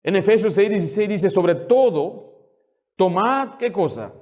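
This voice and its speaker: High-voiced fervent male pastor preaching. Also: animated, unhurried, darkish tone. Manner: fervent preaching with rhetorical questions; indignant, scolding. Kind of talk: sermon.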